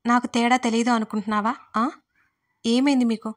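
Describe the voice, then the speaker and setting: A woman's voice: a little high, little pitch movement, fairly quick, lightly acted. A woman voicing a hurt, demanding adult daughter who confronts her parents in an audiobook family drama. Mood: reproachful. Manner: reproachful, emotional. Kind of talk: audiobook role reading.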